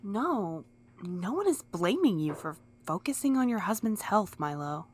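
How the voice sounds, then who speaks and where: A woman playing a gentle, earnest, sometimes exasperated courier in an audio drama. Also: medium pitch, sing-song, unhurried, breathy edge. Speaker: voice actor in a fiction podcast. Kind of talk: scripted audio drama acting.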